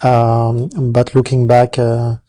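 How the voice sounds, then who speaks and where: A middle-aged man with a French accent, talking as an interview guest, pausing often with many fillers and restarts. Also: medium pitch, completely flat delivery, mellow, dry recording. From France. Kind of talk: casual interview.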